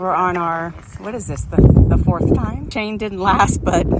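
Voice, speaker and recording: Talking fairly slowly, a woman is heard with audible room echo and noticeable noise in the background. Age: 50s. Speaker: family vlogger. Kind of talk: casual vlog chat. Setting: outdoors on a bike trail.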